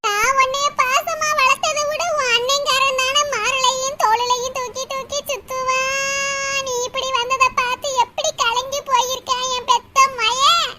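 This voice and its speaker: A woman's voice: very high voice, heavily acted. A woman voicing a grieving older village mother who laments in a sing-song wail over her daughter. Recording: loud background noise with clicks.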